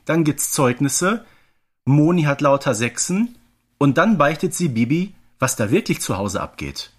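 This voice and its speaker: A man's voice: fairly high pitch, very animated, a little slow. A man from the Ruhr region with a German accent, hosting a podcast in a colloquial, conversational way. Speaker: podcast host.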